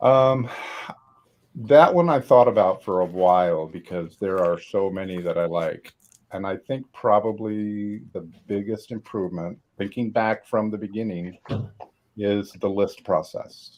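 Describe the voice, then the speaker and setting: An ordinary speaking voice: a man with a fairly low pitch. He talks at a fairly slow pace with ordinary pitch variation. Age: 60s. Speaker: software company employee and Amazon seller. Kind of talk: casual chat.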